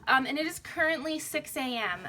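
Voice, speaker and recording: A woman's voice: high voice, lively intonation, fairly quick, bright, forceful tone, slight background noise. A young woman chatting casually through her planner setup at home, tired early in the morning, with a slightly strained voice and a rambling way of talking. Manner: chatty, rambling, self-interrupting. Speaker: planner vlogger and sticker shop owner. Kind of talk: casual plan-with-me chat. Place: home craft desk, indoors. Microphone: phone camera overhead. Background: printers running.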